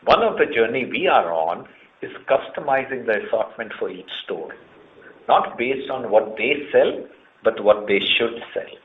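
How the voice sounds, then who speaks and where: A man's voice: medium pitch, animated, measured pace, a little hiss or hum. An Indian man speaking as a company chief executive on an earnings call, explaining emphatically and setting out his points one by one. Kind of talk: earnings conference call answers. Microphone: conference call line. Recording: muffled, band-limited conference call audio.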